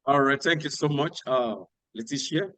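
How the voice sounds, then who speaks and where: A man hosting an online workshop on a video call, giving instructions and repeating key details slowly. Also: mid-range voice, bright, forceful tone, no echo, low-quality recording. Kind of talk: announcements at an online meeting.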